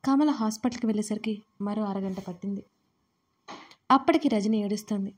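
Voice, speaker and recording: A woman's voice: brisk, husky. A woman narrating a romance audio story, reading all the parts herself in a scripted storytelling style. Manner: reads every part herself, louder and higher in the characters' lines.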